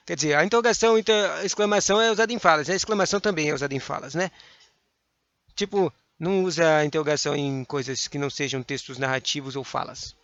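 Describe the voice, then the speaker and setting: A man teaching a grammar lesson for exam prep with a Brazilian Portuguese accent, reading examples aloud with lively emphasis and mumbling quiet asides. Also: on the high side, no echo, muffled recording.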